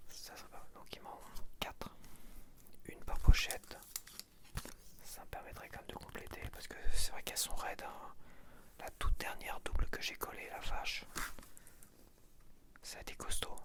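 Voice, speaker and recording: A man whispering casual, informal ASMR commentary in a breathy voice, muttering to the viewer close to the microphone. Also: normal speed, pauses often, bright, forceful tone. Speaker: ASMR video creator.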